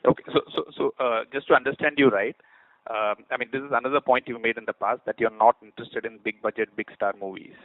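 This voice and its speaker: A man calling in as an analyst, informally making points with repeated, halting starts. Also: mid-range voice, fairly even intonation, no room sound. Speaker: analyst caller. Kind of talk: informal questioning on an earnings call. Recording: dry, narrow phone line.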